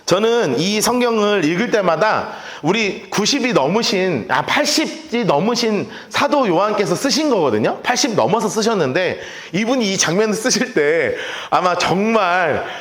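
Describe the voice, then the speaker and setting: A man's voice: high voice, very animated, normal speed, hardly any pauses, a bit bright. A male pastor preaching a sermon and telling stories with playful acted voices. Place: church hall. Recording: echoey church hall.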